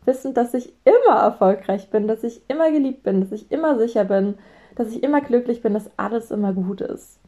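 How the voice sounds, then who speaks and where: Expressive young German mentor woman, mellow. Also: a little fast. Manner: expressive, acts out her inner voice with sudden high exclamations. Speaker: business mentor. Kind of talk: reflective solo talk.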